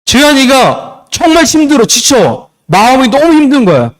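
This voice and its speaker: Young male youth pastor, high and lively, preaching to teens with questions and acted scenes. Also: normal speed. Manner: asks the students questions and acts out short scenes. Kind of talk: youth sermon.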